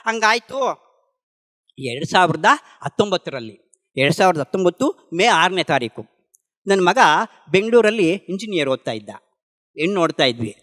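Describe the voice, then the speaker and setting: A middle-aged man, a meditation practitioner sharing his testimony, gives an emphatic spiritual talk to a gathering. His high, slightly bright voice has a sing-song lilt at normal speed with long pauses, and the sound is that of a big room. He poses questions and answers them himself.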